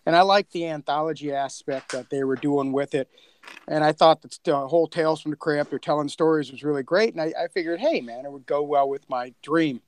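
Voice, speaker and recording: A man who co-created a podcast, chatting casually in an informal, somewhat halting way. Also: a little high. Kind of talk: casual chat.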